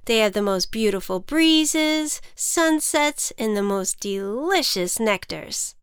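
A woman's voice: fairly high pitch, lively intonation, takes it slowly, clean tone, no echo, clean studio sound. A woman voicing a small, cheeky male ant who persuades and encourages in a chummy, folksy way, as in a children's storybook. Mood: coaxing.

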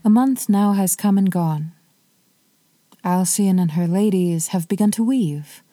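A woman narrating an old myth as a podcast storyteller, in a measured, lyrical way. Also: medium pitch, warm tone.

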